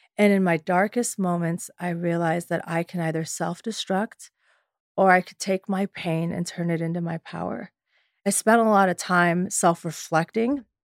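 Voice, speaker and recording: A woman with an American accent speaks at a moderate pace in an unremarkable speaking voice, her intonation fairly even. The sound is dry and close with no echo, and the recording is very clean over a silent background. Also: fairly low pitch for a woman. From US, raised there after leaving Afghanistan young. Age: 40s. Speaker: wellness company co-founder and executive. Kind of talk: interview.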